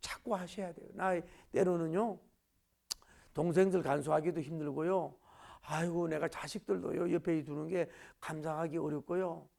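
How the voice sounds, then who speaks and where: Gravelly high-pitched pastor preaching. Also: male voice, fairly even intonation, normal speed, a little mellow. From Gyeongsang region, Korea. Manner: emphatic, peppers talk with rhetorical questions. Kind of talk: sermon.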